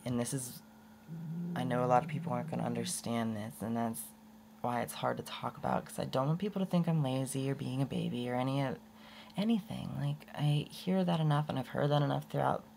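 A young woman rambling candidly in a casual unedited vlog, her voice prone to going hoarse. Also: rumbling low, a little fast, warm tone, a little hiss or hum. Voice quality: voice often goes hoarse. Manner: rambling and candid, with many restarts and laughs. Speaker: vlogger.

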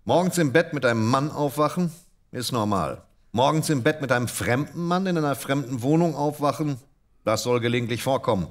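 A man's voice: medium pitch, animated. Man dryly reading comic diaries. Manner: dry, measured reading that builds to punchlines. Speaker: co-host reading comic literature.

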